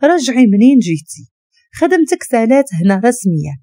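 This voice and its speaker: A woman's voice: fairly high pitch, big pitch swings, fast, dark tone, no echo, clean studio sound. A woman voicing a stern, cold man under arrest, with a Moroccan accent and a curt, commanding manner.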